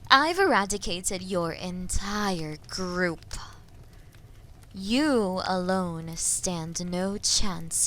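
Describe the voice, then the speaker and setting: A woman voicing a haughty, menacing female dragon in a fantasy audio roleplay, taunting and condescending, with a breathy voice that often drops toward a whisper. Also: medium pitch, fairly bright tone, slight background noise, full character voice, low-quality recording. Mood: scornful. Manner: taunting, condescending, theatrically slow and deliberate. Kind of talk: scripted fantasy audio roleplay addressed to the listener.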